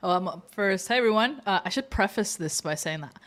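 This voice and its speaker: A woman co-presenting a livestream tech session, a little sick with her voice lower than usual, friendly and chatty. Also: animated, fairly quick, a bit bright. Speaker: cloud advocate co-presenter.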